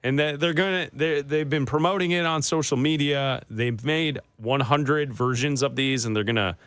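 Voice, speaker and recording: A man's voice: medium pitch, moderate pace, a bit bright, clean tone, no echo. A man hosting a sports radio show, telling stories in a loose, laughing way with fillers. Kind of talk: casual sports talk banter.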